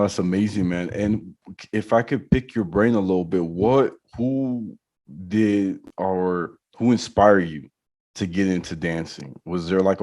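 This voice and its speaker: Podcast host, adult man with a low voice, friendly and curious with his guest. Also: mellow. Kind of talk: casual interview chat.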